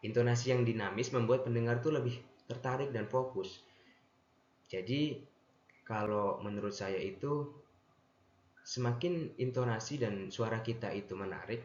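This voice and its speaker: A young man giving an earnest class presentation, stumbling and correcting himself now and then. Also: medium pitch. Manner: earnest, with restarts and self-corrections. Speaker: student presenter. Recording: echoey room, dull lo-fi mic, faint noise.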